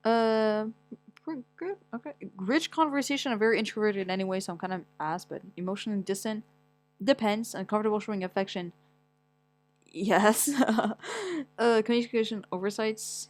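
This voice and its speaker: A young woman from Morocco talks off the cuff as a vlogger, reading things aloud and reacting to them. She is blunt and rambling, with frequent swearing. Her voice sits at a middle pitch, recorded dry and close with no room sound. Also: dry recording. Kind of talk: casual chat, reading aloud.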